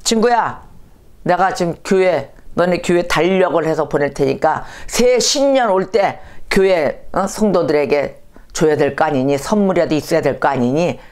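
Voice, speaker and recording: A pastor voicing a blunt, scoffing sick friend. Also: female voice, low-pitched, lively intonation, normal speed, darkish tone, voice pushed down. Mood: eager. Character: bedridden church deacon woman, indignant and stubborn.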